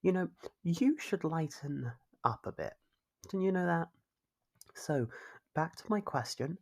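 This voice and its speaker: A performer acting out an obsessive stalker for an ASMR roleplay, in a husky, gravelly voice of middling pitch. The captor coaxes and chides like a doting owner, possessive and smug, drawing out teasing little questions. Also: lively intonation. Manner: coaxing, chiding, drawn-out teasing questions. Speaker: voice actor.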